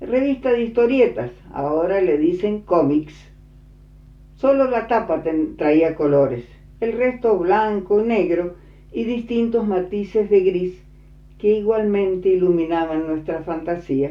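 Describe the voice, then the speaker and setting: Speaking very slowly with long, frequent pauses, a woman with an Argentine accent uses lively intonation at a medium pitch. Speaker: storyteller. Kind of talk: storytelling, personal memoir.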